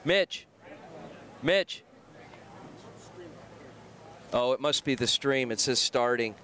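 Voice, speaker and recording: A man's voice: medium pitch, expressive, slow, a bit bright. A man hosting a live sports show from outdoors at an airport, repeatedly checking his connection and calling out to his co-host. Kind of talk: live remote broadcast troubleshooting.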